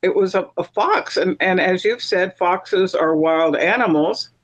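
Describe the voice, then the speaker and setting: A woman's voice: on the low side, a little slow. A woman hosting a podcast in a casual, conversational style of chat. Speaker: podcast host.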